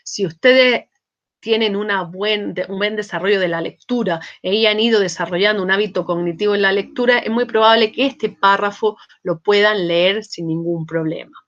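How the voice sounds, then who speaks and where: A medium-pitched woman speaking at normal speed gives a university lecture, captured in slightly muffled audio. She frequently restarts sentences and checks in with students through tags like "¿eh?" and "¿sí?".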